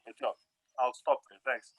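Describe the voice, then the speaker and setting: A man's voice: moderate pace, fairly bright tone. A man in the audience asking several rambling questions during a Q&A over a video call.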